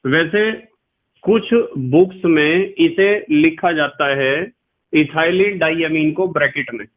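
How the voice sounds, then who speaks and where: A man's voice: fairly high pitch, slow. A man teaching a chemistry class. He talks patiently, repeats key terms and spells words out letter by letter. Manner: addresses students as "beta". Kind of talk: classroom lecture to students. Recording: tinny, phone-like recording.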